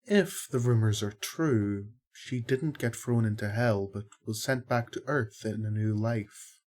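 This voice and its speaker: A man playing a kindly, fair-minded archangel in an audio drama, explaining things in a measured, wry way. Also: lowish voice, a little mellow, lightly acted. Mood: thoughtful.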